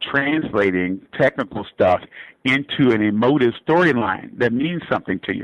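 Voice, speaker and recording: In a dry, close recording with no echo, a man with an American accent talks at a moderate pace with medium pitch. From US South. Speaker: surgeon. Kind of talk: interview. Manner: halting.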